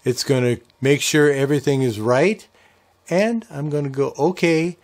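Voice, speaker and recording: Older guy, sixties, folksy, patiently explaining computer steps, medium pitch. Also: moderate pace. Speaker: ham radio tutorial host. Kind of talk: informal step-by-step software tutorial.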